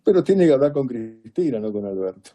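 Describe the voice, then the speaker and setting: A man's voice: medium pitch, big pitch swings, a little fast, dark tone. A man from Buenos Aires with a Rioplatense accent, giving emphatic, rhetorical political commentary as an interview guest. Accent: Rioplatense Spanish. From Buenos Aires, Argentina. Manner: emphatic, rhetorical, repeats "¿es cierto?".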